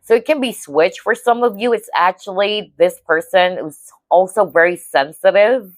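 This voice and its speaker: A woman's voice: mid-range voice, normal speed, dry recording. A woman giving a casual tarot reading to viewers, chatty and reassuring, often checking in with "okay?". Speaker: tarot reader.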